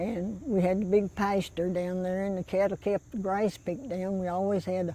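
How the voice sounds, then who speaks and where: The speaker has a Southern Appalachian accent. The tone is dark and mellow. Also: woman. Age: 80s. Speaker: oral history interviewee, elder. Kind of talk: oral history interview answer.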